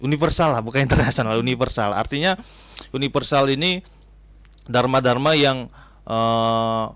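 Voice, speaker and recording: A man's voice: mid-range voice, normal speed, fairly bright tone, smooth, no echo. A man in his twenties, a Hindu religious counselor, explaining things as a radio guest with frequent fillers. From Bali, Indonesia. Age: 20s. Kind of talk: casual radio interview.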